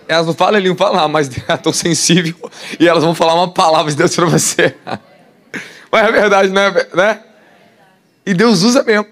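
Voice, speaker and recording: Animated Brazilian preacher man. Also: on the high side. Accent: Brazilian Portuguese. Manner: animated, asks the crowd questions, laughs often. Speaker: apostle preacher. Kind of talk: sermon teaching.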